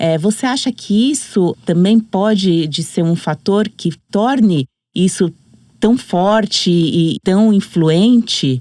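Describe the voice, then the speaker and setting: A woman speaks at a very slow pace with lively intonation and a dark, mellow tone at medium pitch. The sound is dry and close, with no echo. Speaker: podcast host. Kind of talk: podcast host talk.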